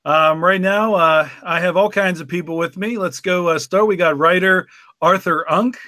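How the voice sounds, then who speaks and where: A man's voice: high-pitched, steady tone, moderate pace, pushed and bright, dry recording, clean studio sound. A man hosting a podcast and introducing his guests with chatty jokes. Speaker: podcast host.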